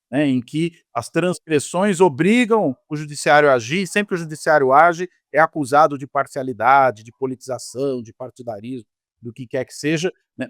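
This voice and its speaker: A man with a Brazilian Portuguese accent giving measured, analytical political commentary, often tagging his points with quick questions. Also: medium pitch, dry recording, clean studio sound. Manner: measured, lecturing, frequent tag questions. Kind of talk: analytical panel discussion.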